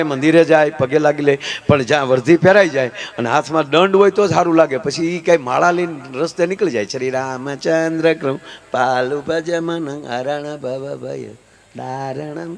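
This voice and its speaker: A man performing folk comedy on stage. He tells stories in a lively way and slips into character voices and chants. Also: on the high side, brisk, few pauses. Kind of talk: Gujarati folk comedy storytelling.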